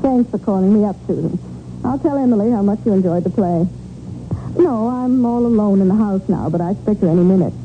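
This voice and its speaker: A woman's voice: medium pitch, fairly quick, close to an everyday voice. A woman playing a homely middle-aged small-town mother and landlady in a 1940s radio drama. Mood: chatty. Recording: noisy, narrow-band 1940s radio recording.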